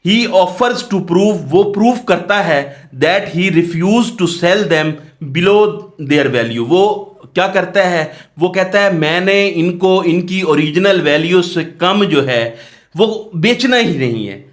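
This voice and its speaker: A man's voice: high voice, expressive, takes it slowly. A man with a South Asian accent giving an explanatory law lecture, reading out formal clauses, restating them and answering his own questions. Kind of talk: exam lecture, reading statute in English and explaining it.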